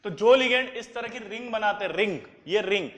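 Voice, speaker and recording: A man's voice: sits high, brisk, a bit bright. Man lecturing in an echoey classroom. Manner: drills students with repeated questions and answers. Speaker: chemistry teacher. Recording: echoey classroom with long reverb.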